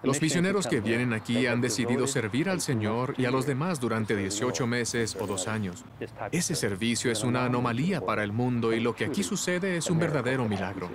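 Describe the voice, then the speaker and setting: A man's voice: mid-range voice, lively intonation, brisk, a loud crowd. A man giving interview remarks in an enthusiastic, reverent manner.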